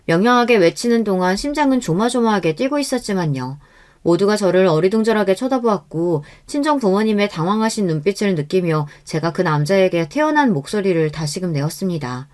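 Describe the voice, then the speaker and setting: Woman narrator, scripted first-person storytelling, calm and even, mid-pitched voice. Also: brisk.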